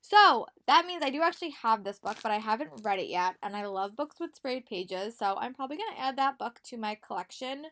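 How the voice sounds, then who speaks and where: A woman's voice: a little high, expressive, brisk, hardly any pauses, fairly bright tone. A young woman and teacher talking casually in a reading vlog, chatty with many fillers and restarts, recorded on a laptop webcam in a small bedroom. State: slightly hoarse from a cold. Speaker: book vlogger and teacher. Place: small bedroom with bookshelves and posters. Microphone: laptop webcam at close range.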